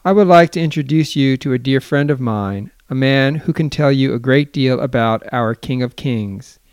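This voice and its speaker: A man's voice: mid-range voice, normal speed, darkish tone, clean tone, dry recording, clean studio sound, natural voice. A man reading the part of a formal, polite male friend acting as a guide. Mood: earnest.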